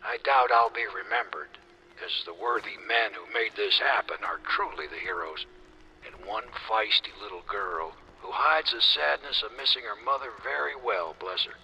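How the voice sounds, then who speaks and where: A man's voice: on the low side, moderate pace, gravelly, bright, forceful tone, a little hiss or hum, heavily acted, poor audio. An actor playing a humble old boatman who speaks earnestly and reflectively. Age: older. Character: humble old male boatman, gentle and proud.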